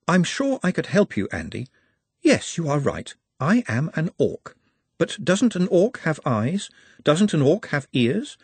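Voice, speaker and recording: Here is a gentle-mannered orc, all formal courtesy and exact reckoning, speaking a touch higher than the teller's usual voice, as a man puts him on. The tone stays slightly husky and close, with no room around it. He sounds calmly menacing. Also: unhurried, no echo, heavily acted. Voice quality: formal, polite, pedantic phrasing. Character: courteous, precise male orc, menacingly calm.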